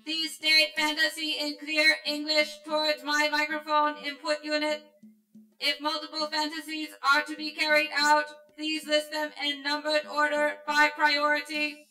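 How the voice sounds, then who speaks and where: A female pleasure android in a sci-fi radio play, high and bright in voice. She is polite, literal and stiffly seductive, like a scripted machine, heard in an echoey space with music behind. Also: monotone, a little slow. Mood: flatly seductive. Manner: robotic, formulaic, stilted sultry delivery. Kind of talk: sci-fi radio drama acting.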